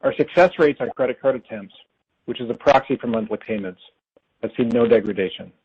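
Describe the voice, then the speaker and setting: A man presenting as a company finance executive on an earnings call, reading prepared figures in a formal, measured way. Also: mid-range voice, slightly rough. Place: conference call. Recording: dull, lo-fi conference call audio.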